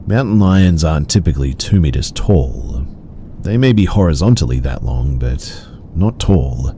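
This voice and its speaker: A man narrating first-person horror stories in a slow, measured, somber way. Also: very deep voice, big pitch swings, dark tone, slight background noise.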